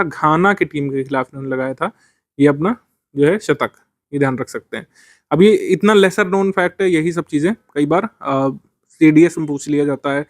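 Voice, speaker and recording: A man's voice: fairly high pitch, no room sound. A man teaching current affairs for a civil services exam, explaining step by step with frequent fillers.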